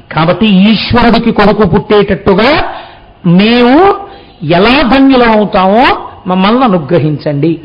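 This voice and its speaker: Male preacher, high voice, explanatory storytelling sermon, dull lo-fi recording. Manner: explanatory, asks rhetorical questions. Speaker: religious discourse speaker.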